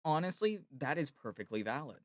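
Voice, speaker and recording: A man streamer and voice actor chatting casually, relaxed and self-mocking, into a close mic. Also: on the high side, a little fast, no room sound. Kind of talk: casual chat.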